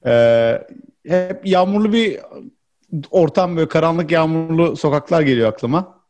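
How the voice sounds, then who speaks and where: A man in a casual group chat, giving animated, rambling explanations. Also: on the high side, moderate pace. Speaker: guest.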